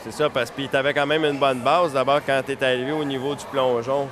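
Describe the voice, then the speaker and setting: A man's voice: medium pitch, flat delivery, a little fast, crowd noise. A man with a Québécois French accent hosting a casual interview, chatty and jokey, often finishing his guest's sentences. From Quebec, Canada. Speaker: TV interview host. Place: indoor pool area.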